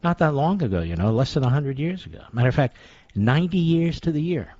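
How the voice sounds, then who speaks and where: A combative male radio talk host in a sarcastic opinion monologue, his pitch swinging widely for emphasis. The sound is dull and lo-fi with a bone-dry, close feel. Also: very animated, quick pace, mellow, no room sound.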